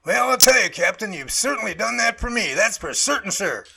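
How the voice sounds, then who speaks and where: An actor playing a genial, polite research professor in an audio drama, with a raspy voice and hearty, emphatic delivery. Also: male voice, high-pitched, big pitch swings, brisk, bright, forceful tone, full character voice. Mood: delighted, grateful.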